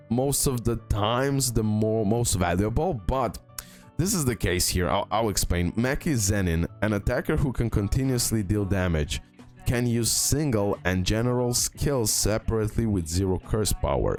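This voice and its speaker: A man giving casual, informal gaming commentary as a content creator, often repeating himself for emphasis. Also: fairly low pitch. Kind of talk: casual gaming commentary over a tier list. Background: background music.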